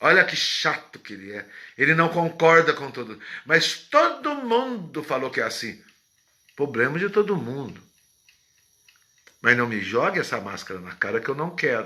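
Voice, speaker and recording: At a moderate pace, a man with a fairly high, bright, sharp voice and vocal fry makes very wide pitch swings and big swings in loudness, leaving long, frequent pauses. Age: 60s. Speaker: philosophy teacher. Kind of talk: lecture. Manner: animated.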